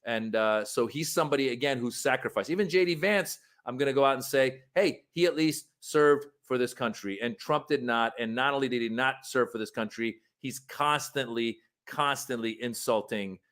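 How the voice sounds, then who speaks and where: Man from Iran, political commentator, earnest and argumentative, mid pitch. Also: moderate pace, few pauses, a bit bright.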